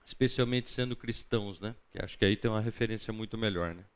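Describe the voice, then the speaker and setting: A man's voice: fairly low pitch, fast, smooth. A Brazilian man teaching a Bible class in a conversational, didactic lecture style, often putting questions to his listeners.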